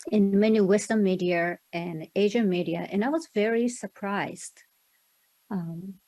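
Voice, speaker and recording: A woman with a Japanese accent has a dark, mellow tone. She speaks at a fairly slow pace with ordinary pitch variation. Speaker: author and conference speaker. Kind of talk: conference talk. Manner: halting with fillers.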